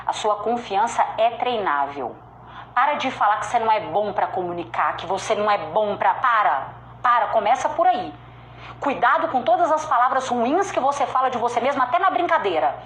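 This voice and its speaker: A fairly high-voiced woman with a strong regional Brazilian accent drives home a motivational sales talk, emphatic and direct. Her voice rings out in an echoey room, with faint ambience behind her. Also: a little hiss or hum. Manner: emphatic, direct, repeats key points. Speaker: sales speaker.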